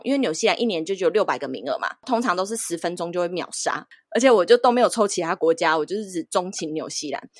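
A woman in her thirties with a Taiwanese Mandarin accent, a podcast guest telling travel stories in a lively, animated way. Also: fairly low pitch, no room sound, clean studio sound. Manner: animated anecdote-telling, acts out the people she quotes. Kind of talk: casual storytelling interview.

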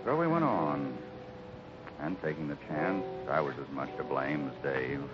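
A man playing a grave, stoic cowboy foreman, speaking with solemn, measured resignation in an old-time radio western. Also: a bass voice, expressive. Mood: somber recounting. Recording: dull old radio recording with music.

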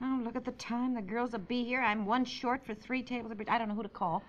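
A woman's voice: a little high, steady tone, quick pace, muffled recording, lightly acted. An actress playing a flustered, talkative housewife and mother in a 1950s radio comedy, with a fretful, exasperated manner. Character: flustered, chatty housewife and mother preparing a bridge luncheon. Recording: hissy old 1950s radio recording.

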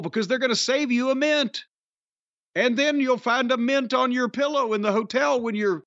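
A man's voice: very high-pitched, bright, forceful tone, no room sound. An older man with a Southern American accent hosting a podcast, rambling, profane and sarcastic in casual chat and a comic ad read. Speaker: podcast host. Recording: dry, slightly dull audio.

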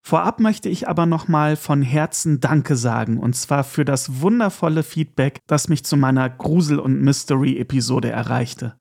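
Gravelly German man hosting a podcast. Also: mid-range voice, moderate pace, hardly any pauses, darkish tone. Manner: chatty and enthusiastic, with asides and small laughs. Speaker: podcast host. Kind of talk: casual podcast talk.

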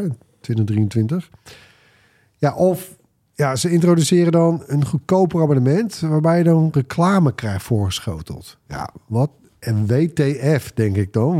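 A man's voice: mid-range voice, warm tone. A man chatting casually as a podcast panelist, in a piecemeal, hesitant way with some English phrases mixed in. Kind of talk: casual opinionated chat.

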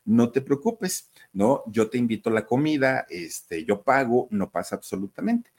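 A man's voice: medium pitch, big pitch swings, moderate pace, darkish tone, slightly rough. A man voicing a friendly young musician in a told story who talks in an easygoing, reassuring way.

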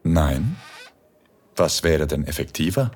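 A man playing a calm, teasing male philosophy professor in an audio drama. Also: rumbling low, takes it slowly, husky, heavily acted. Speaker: tutor.

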